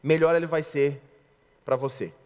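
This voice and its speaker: A man's voice: fairly high pitch, moderate pace, clear, resonant tone. A man preaching a sermon as pastor, with a Brazilian Portuguese accent, joking and acting out what husbands and wives say. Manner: lively, joking preacher acting out spouses' lines. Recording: reverberant hall.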